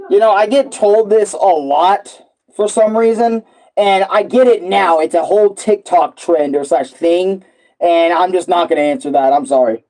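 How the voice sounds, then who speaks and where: A man rambling casually and excitably on a live stream, full of slang and repeating himself. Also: high voice, low-quality recording. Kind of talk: casual, rambling live stream chat about comics and games.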